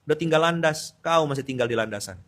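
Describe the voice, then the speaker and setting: Casting: male preacher with a Pontianak Malay accent, crisp and forceful tone, lively teasing sermon delivery, loud bursts then low asides. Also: quick pace. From Indonesia. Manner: lively, teasing, switches between loud outbursts and quiet asides. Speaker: Islamic preacher. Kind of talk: dawn study-circle sermon.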